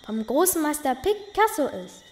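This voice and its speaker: High-voiced cheeky little princess. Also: female voice, big pitch swings, normal speed. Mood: tattling. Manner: blunt, tattling, pouty. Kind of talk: audio drama acting. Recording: long reverb, faint noise.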